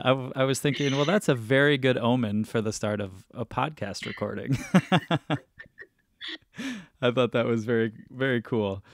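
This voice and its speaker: A man's voice: medium pitch, vocal fry, no room sound, studio quality. A man hosting a podcast interview, chatty and enthusiastic, rambling with frequent restarts. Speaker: podcast host. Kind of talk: casual interview chat.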